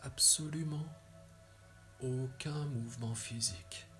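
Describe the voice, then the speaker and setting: A yoga nidra guide leads a guided meditation very slowly, his mid-range male voice soft, soothing and steady in tone. His phrases end breathily, measured pauses separate each instruction, and faint music plays in the background.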